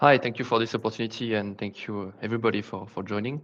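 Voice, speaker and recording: The background is quiet. A man with a fairly low pitch talks at a fairly quick pace. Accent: French. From France. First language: French. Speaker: tech presenter. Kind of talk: webinar presentation.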